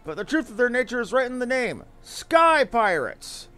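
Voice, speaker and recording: A worried airship merchant from a fantasy game, performed by a man, speaking in a high voice. The speech is florid and dramatic, forever fretting and pleading. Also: big pitch swings, moderate pace, pushed and bright, faint music behind, exaggerated voice. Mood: indignant. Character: anxious airship merchant fretting over debts and lost cargo.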